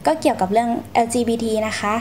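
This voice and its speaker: This guest storyteller is a young woman from Thailand who politely explains her experiences while answering an interviewer. Her fairly high voice is fast and slightly mellow. Some faint hiss or hum is present.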